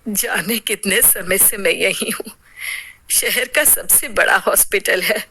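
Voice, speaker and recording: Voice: medium pitch, slow pace, sharp tone, slightly rough, dry recording, exaggerated voice. A performer voicing a poor older woman who is an anxious hospital patient in a cartoon. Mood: worried. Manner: worried, fretful.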